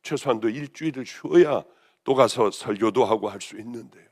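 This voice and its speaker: A woman pastor with a hoarse voice, preaching a sermon with passion, rising to loud exclamations and then dropping to hushed, almost whispered lines. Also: extremely low pitch, fairly quick. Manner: impassioned, swinging between raised exclamations and hushed near-whispers.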